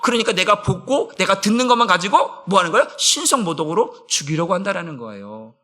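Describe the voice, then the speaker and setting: A man preaching a sermon as senior pastor, pressing the congregation with rhetorical questions and swinging between loud emphatic bursts and low quiet asides. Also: very animated, brisk.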